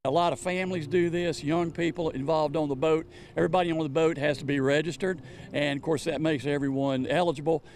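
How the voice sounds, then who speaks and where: A man giving an unscripted interview soundbite, halting and repeating words as he explains. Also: fairly high pitch, fairly even intonation, a little mellow, a little hiss or hum. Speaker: fishing event organizer being interviewed.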